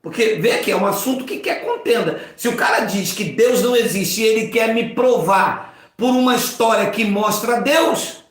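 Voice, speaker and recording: A man's voice: sits high, normal speed, few pauses. A man in his fifties preaching an informal sermon, acting out voices and jokes. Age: 50s. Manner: animated, acts out voices and jokes. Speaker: pastor. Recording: very echoey room.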